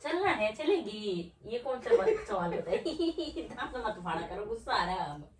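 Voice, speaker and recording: A woman's voice: medium pitch, very animated, moderate pace. A young wife scolding her husband in a heated, sarcastic domestic argument. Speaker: wife of the vlogger. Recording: echoey room, voice from a distance.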